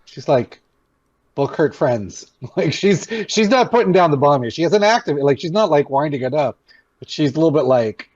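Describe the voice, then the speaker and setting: A man playing a tabletop game, explaining his character's actions in an animated, rambling way. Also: on the high side, a little fast, dry recording, dull audio. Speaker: player. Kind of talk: casual game chat.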